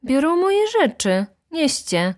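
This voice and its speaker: A woman's voice: medium pitch, lively intonation, a little slow, a little mellow, no echo, clean studio sound, voice pushed up, close to an everyday voice. A woman voicing an insolent, pompous male valet who orders people about in a haughty, commanding way.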